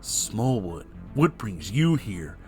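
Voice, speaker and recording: A man's voice: lowish voice, sing-song, slow pace, darkish tone, faint music behind. A man voicing a muscular, righteous cartoon cat hero in a comic story, declaiming with earnest bravado. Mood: gentle, amazed.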